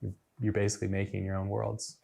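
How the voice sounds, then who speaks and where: A man's voice: fairly low pitch, completely flat delivery, fast talker, vocal fry, noisy background. A man talking reflectively about his creative work as an artist, in documentary interview style. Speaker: featured digital artist. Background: guitar music.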